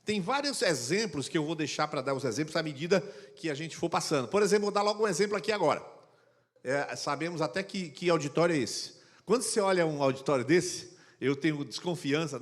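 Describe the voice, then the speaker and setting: A male pastor preaches in a church auditorium, his slightly high voice carrying a long hall reverb. He tells stories with animated energy, slipping into the voices of the people he quotes. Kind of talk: sermon.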